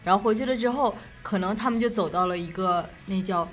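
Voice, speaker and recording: A woman's voice: mid-range voice, fairly quick, faint music behind. A young woman with a Northeastern Chinese accent co-hosts a late-night show, telling ghost stories in a casual, rambling, repetitive way. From Northeast China.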